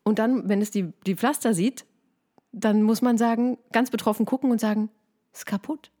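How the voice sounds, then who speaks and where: A woman in her thirties co-hosting a casual chat, telling a story in a lively way and acting out the people she quotes. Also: a little high, moderate pace. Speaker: podcast co-host.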